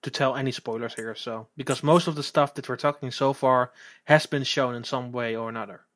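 A man's voice: mid-range voice, steady tone, fairly quick, fairly bright tone. A man co-hosting a podcast, talking casually about a video game with eager, stumbling repetitions. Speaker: podcast co-host.

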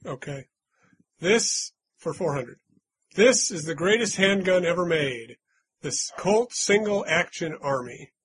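A man's voice: fairly high pitch, lively intonation, a little slow, a bit bright, slightly rough. A man hosting a casual game quiz on a podcast, reading clues in a playful, teasing way. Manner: playful, teasing, hums little doot-doot jingles. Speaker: quiz host.

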